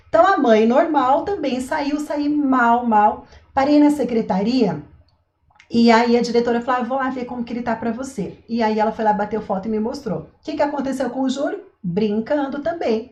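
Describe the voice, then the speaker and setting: A woman's voice: high-pitched, moderate pace, a little mellow, echoey room. A woman, a parenting educator, talking casually to camera. She asks rhetorical questions and keeps checking in with her listeners. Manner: chatty, asks rhetorical questions, says "né" and "tá" often. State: throat itch, coughs now and then.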